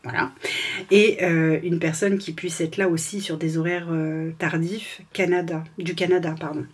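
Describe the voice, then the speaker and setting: A French woman who works as a freelance administrative assistant chats casually in a vlog from home while nursing a sore throat. Her voice is lowish, level, and slightly rough at a moderate pace, and she's hesitant, with many fillers and restarts.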